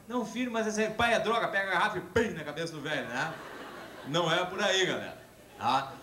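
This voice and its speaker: A man gives a lively public talk to a young audience, holding a handheld microphone and acting out dialogue as he tells stories. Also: a little high, a little hiss or hum. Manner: animated storyteller, acts out dialogue, gestures. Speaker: public speaker on alcohol and drugs. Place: large hall with a seated audience. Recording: echoey hall, camcorder recording.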